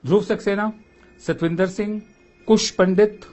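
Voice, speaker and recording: A man's voice: sits high, steady tone, normal speed, a little mellow, faint music behind. A man giving a spoken commentary, impassioned and full of rhetorical questions.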